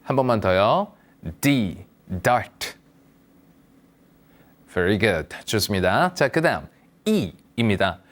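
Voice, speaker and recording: A man's voice: lowish voice, very animated, takes it slowly, fairly bright tone. A man teaching English pronunciation to older learners, patiently modelling words for the viewer to repeat and reassuring them. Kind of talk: slow, patient language lesson for seniors.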